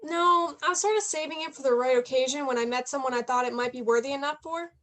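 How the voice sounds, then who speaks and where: A woman's voice: high voice, quick pace, a bit bright. A woman playing a playful, persistent eighteen-year-old journalism student in a play reading, chatty and probing. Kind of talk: staged reading of a play, naturalistic dialogue.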